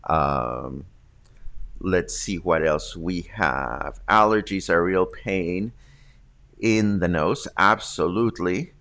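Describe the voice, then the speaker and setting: A man's voice: sits low, slow pace, a bit bright. Man, 50s, congested news host, casual and chatty, home studio mic. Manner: chatty, reads viewer comments aloud. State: congested from allergies. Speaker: host of a local news livestream. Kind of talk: casual news reading and viewer chat. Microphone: large studio condenser mic.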